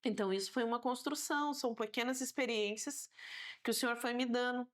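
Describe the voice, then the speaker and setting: A woman's voice: on the high side, a little fast. A woman with a Brazilian Portuguese accent, a guest on a talk show, sharing her faith testimony and acting out her own past words as she tells it.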